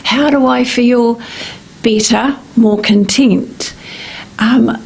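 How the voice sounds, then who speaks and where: A middle-aged woman from New Zealand, a life coach hosting a casual radio talk segment, with a slightly croaky voice and a meandering way of speaking, full of ums and restarts. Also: fairly high pitch, steady tone, extremely slow, low-quality recording.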